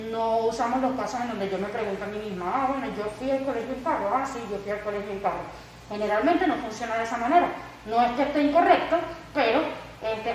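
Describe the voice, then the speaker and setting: Woman teacher walking a class through grammar, kinda high voice, really echoey room. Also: darkish tone, recorded from a distance, slight background noise. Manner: slow, careful modelling of English example sentences. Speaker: English teacher. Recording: echoey room, voice somewhat off mic.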